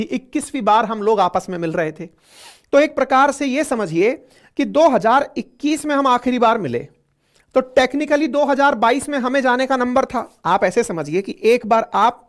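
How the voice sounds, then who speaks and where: A man teaching current affairs in a conversational lecture, repeating his points and speaking straight to the listeners. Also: extremely high pitch. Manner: chatty, repeats points, addresses listeners directly.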